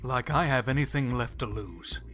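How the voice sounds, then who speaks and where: An actor playing a smug, menacing prisoner in an audio drama, sardonic and mock-polite. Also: male voice, medium pitch, moderate pace, fairly bright tone, soft background music, close to an everyday voice. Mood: bitter, threatening. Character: mocking, menacing male prisoner and villain, unhurried and smug.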